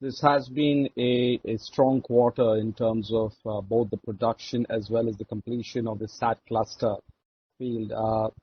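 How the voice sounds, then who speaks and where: A man with an Indian accent giving a formal, measured and somewhat hesitant executive report on an earnings call. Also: mid-range voice, flat delivery, highs cut off, slight background noise. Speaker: oil and gas executive. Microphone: conference call line.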